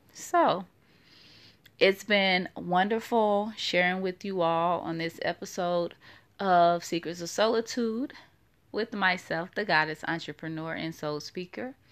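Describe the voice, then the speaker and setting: A woman speaks at a fairly slow pace in an unremarkable speaking voice, medium in pitch with ordinary pitch variation. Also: quiet background. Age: 30s. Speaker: podcast host. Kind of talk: personal storytelling monologue. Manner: casual, conversational.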